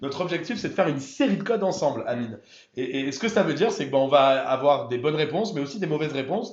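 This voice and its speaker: A man with a southern French accent, fairly high pitch, lively intonation and a very fast pace, amid noticeable background noise and audible room echo. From southern France, mountain village. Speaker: livestream presenter for a driving school. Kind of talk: casual live-stream quiz chat. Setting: live stream. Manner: hesitant, many fillers.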